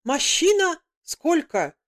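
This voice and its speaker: A woman voicing a young foreign girl who speaks halting, broken words in an audiobook. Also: extremely high pitch, sing-song, voice pushed up, exaggerated voice. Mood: earnest.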